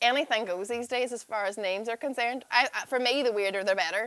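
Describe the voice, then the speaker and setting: Very fast, high-pitched woman's voice with a Northern Irish accent. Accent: Derry. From Northern Ireland, Derry. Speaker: comedian. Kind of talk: casual chat.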